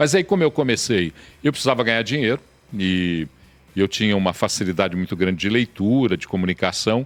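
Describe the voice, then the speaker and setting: Music plays in the background as a man talks at a fairly quick pace. His pitch swings very widely. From interior of São Paulo state, Brazil. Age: 60s. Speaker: radio host and journalist. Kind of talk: interview.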